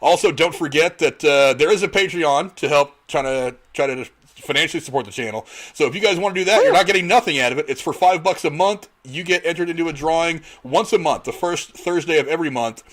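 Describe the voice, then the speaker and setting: A man's voice: on the high side, fast talker, few pauses, fairly bright tone. A man hosting a casual panel podcast in a chatty, conversational way. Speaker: podcast host.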